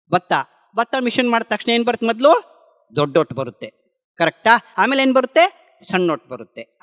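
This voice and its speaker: A man's voice: very high voice, a bit bright, long reverb tail. A middle-aged man giving an emphatic spiritual talk to a gathering, asking questions and answering them himself. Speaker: meditation practitioner sharing testimony.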